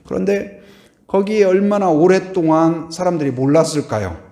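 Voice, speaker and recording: A man preaching a sermon as pastor, asking the congregation questions and answering them, swinging from loud to hushed and trailing off on repeated words. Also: high-pitched, lively intonation, moderate pace, roomy sound. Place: church sanctuary.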